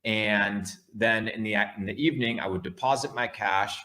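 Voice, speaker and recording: An online entrepreneur hosting a casual motivational livestream talks like a brash crypto bro, blunt and profane, hammering key words through repetition. His voice leans low, with a sharp tone and a moderate pace.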